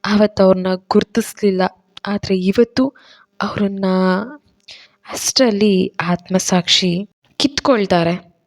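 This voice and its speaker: A woman's voice: mid-range voice, unhurried, long pauses, close to an everyday voice. A woman voicing a heartbroken young heroine who is emotional and determined.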